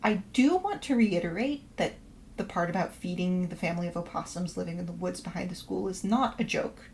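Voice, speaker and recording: An actress playing a polite, quirky professor, reading a letter of instructions aloud in a matter-of-fact, reassuring way for a fiction podcast. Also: female voice, lowish voice, lively intonation, a little fast, darkish tone. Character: polite, quirky woman professor giving house-sitting instructions. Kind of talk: scripted letter read aloud in a podcast promo. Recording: faint background noise and ambience.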